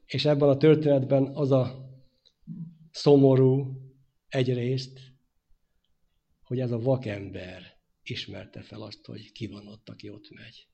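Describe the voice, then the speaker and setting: A man preaching a sermon, his delivery swinging from loud emphatic phrases to hushed endings. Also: medium pitch, fairly even intonation, creaky, long pauses, slightly rough, lo-fi sound. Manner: dynamic preaching, rising loud then dropping to hushed.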